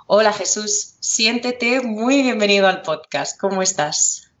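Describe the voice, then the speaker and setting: A woman's voice: mid-range voice, expressive, measured pace, fairly bright tone. A woman hosting a podcast interview, asking questions in an enthusiastic way. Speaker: podcast host.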